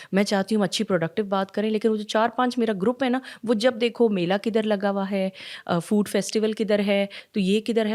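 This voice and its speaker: Animated woman telling stories in a podcast interview. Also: medium pitch. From Pakistan. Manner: animated storyteller, mixes English phrases into Urdu. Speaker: communication trainer and guest speaker.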